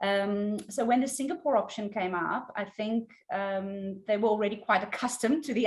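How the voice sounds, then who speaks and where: A woman's somewhat breathy voice at a moderate pace, with ordinary pitch variation and an Afrikaans accent. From South Africa. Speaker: psychologist. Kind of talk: interview.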